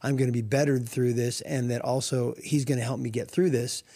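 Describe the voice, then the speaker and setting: A man's voice: mid-range voice, level tone, a little fast, dark tone. A man co-hosting a Christian radio talk show, speaking earnestly and reflectively about scripture.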